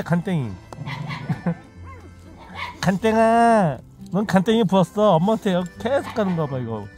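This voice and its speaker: A high-pitched, slightly mellow male voice belongs to a vlogger tending rescued dogs in a rural yard with kennels. He talks casually to the animals and his viewers, coos at the puppies in baby talk, and laughs frequently.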